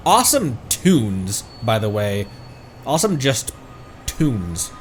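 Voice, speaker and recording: A man's voice: on the low side, very animated, slow, slight background noise. A man giving casual live game commentary as a streamer, with murmured asides that trail off mid-thought. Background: game music.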